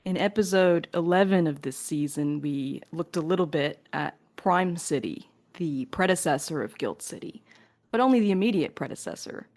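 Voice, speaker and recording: Low-voiced woman on a podcast Q&A. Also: expressive, normal speed, darkish tone. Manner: joking, casually sweary. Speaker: podcast host and crew member. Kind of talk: casual podcast Q&A, reading listener questions.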